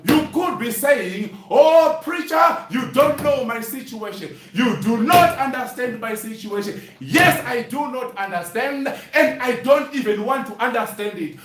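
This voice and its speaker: A man preaching a fiery sermon, shouting and breaking in with "hallelujah" and "glory be to God" often. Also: very high voice. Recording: echoey, from far off the mic.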